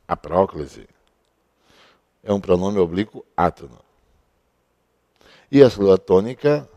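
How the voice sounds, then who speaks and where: A man's voice: sits low, dark tone. A man teaching a recorded grammar lesson at a board, explaining step by step and asking and answering his own questions. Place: at a board he writes on and erases.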